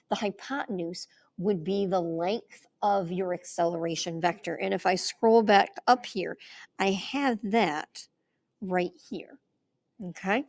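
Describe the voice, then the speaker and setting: A woman's voice: mid-range voice, a little mellow. A woman math teacher working through a proof aloud in a chatty, casual way, talking herself through each step.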